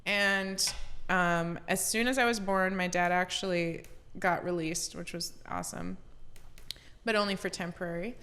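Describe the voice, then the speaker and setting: A woman's voice: lowish voice, unhurried, slight background noise. A woman from Iran, a guest on a podcast, chatting and telling stories with lots of laughter. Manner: bubbly, laughs often, animated storytelling. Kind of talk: casual interview chat.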